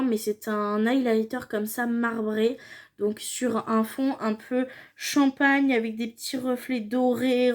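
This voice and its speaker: A woman's voice: on the high side, darkish tone. A young woman chatting casually in a makeup haul vlog, gushing and repeating her praise. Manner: gushing, repeats "trop, trop beau". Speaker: beauty vlogger.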